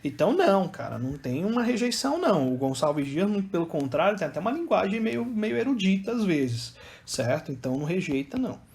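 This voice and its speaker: A man's voice: sits high, sing-song, brisk, vocal fry, darkish tone. A man with a Brazilian accent teaching literature in an exam-prep lecture, chatty and speaking straight to his students. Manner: chatty, addresses students directly, counts syllables aloud.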